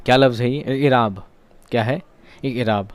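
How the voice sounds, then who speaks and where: A man leads an exam-prep lesson. He asks a question, answers it himself, and repeats each key word so it sticks. His voice is smooth and resonant, recorded close and dry. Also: medium pitch, measured pace, dry recording. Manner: repeats key words for drilling. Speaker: online teacher.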